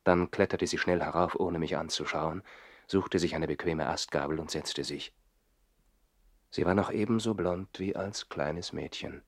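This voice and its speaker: An actor playing a passionate nobleman who lives in the trees and recalls his love in a measured, literary way, in a 1960s German radio play. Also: low voice, breathy edge, no room sound, clean studio sound, heavily acted. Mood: subdued, wistful.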